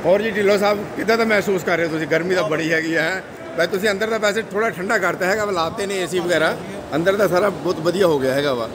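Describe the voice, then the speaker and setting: Chatty Punjabi-accented man, high voice. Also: quick pace. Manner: chatty, greets people warmly in passing. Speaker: vlogger. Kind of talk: walk-around expo vlog chat. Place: busy indoor exhibition hall. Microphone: handheld phone camera. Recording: loud background noise.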